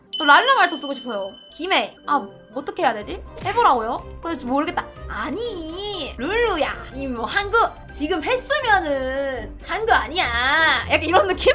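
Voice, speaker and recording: Over music in the background, a raised, projected voice moves at a moderate pace with very wide pitch swings. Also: woman, extremely high pitch for a woman. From Gyeongsang region, South Korea. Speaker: virtual streamer. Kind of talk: casual livestream talk.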